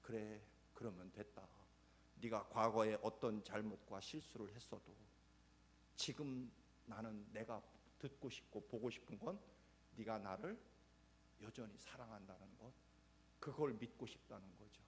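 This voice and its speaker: A male pastor voicing Jesus as a gentle, forgiving man, speaking softly and reassuringly in a sermon. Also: fairly low pitch, a little slow, slight background noise, natural voice. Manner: soft, hushed and reassuring.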